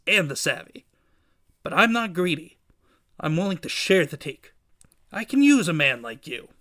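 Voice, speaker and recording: A man's voice: a little high, pushed and bright. A man voicing a bold, ambitious comic-book gangster with a slangy, wheedling way of talking. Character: brash ambitious gangster pleading his worth to a boss.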